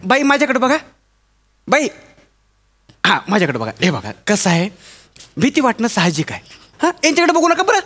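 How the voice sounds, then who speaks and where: A man's voice: very high voice, huge pitch swings, normal speed, long pauses, fairly bright tone. A man with a Marathi accent performing a stage comedy sketch, chatty and playful, breaking into rhyming sing-song bits.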